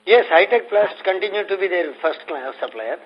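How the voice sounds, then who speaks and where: A man with an Indian accent answering investor questions as a company executive on an earnings call, explaining in a halting way. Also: high-pitched, animated, slightly rough. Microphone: conference call phone. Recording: muffled conference phone line with noise.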